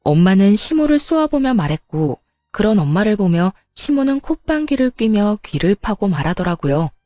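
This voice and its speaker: A woman narrating a first-person family story with steady storytelling. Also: mid-range voice, moderate pace, no room sound, clean studio sound, faint music behind.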